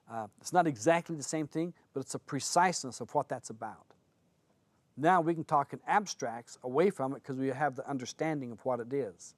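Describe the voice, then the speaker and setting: A man's voice: mid-range voice, dry recording. An older man teaching a spiritual seminar in a conversational way, telling stories and acting out quoted lines. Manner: conversational, anecdotal, with acted-out quotes. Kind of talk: seminar talk.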